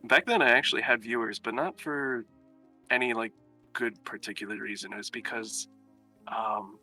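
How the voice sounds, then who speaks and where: Man, American accent, young adult, medium pitch, bright tone, easygoing and joking guest, faint music behind. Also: moderate pace. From United States. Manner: easygoing, laid-back and joking. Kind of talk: casual chat.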